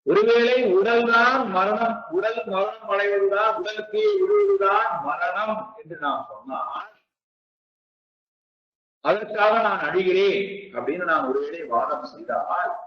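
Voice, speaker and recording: A man giving a spiritual discourse, speaking slowly and deliberately and repeating his rhetorical questions. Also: sits high, very animated. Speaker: spiritual teacher. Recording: echoey, distant, dull lo-fi sound.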